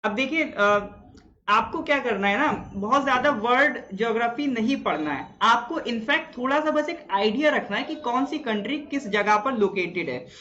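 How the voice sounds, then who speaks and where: A man's voice: very high voice, expressive, moderate pace, sharp tone, lo-fi sound. A man teaching a live online exam-prep class, chatting with viewers, reading out their answers and quizzing them.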